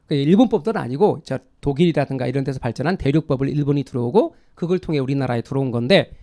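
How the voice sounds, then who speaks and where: A man's voice: a little high, warm tone. A middle-aged man giving an explanatory classroom lecture, conversational, repeating key terms and asking rhetorical questions that he answers himself. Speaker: lecturer in real estate exam course.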